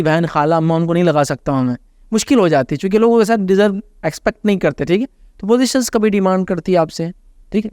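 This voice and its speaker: A man's voice: high voice, darkish tone, smooth, no echo, studio quality. A man with an Indian Hindustani accent, explaining social manners through everyday examples as an Islamic scholar answering a question. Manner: repeats reminders to remember. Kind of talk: conversational religious advice talk.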